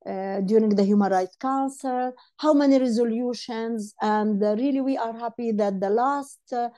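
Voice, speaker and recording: Older Arabic-speaking woman, mellow halting talk. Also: on the high side. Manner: halting, many fillers and restarts. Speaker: panel speaker, legal advisor. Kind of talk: online panel talk. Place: home room. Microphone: earphone headset on video call.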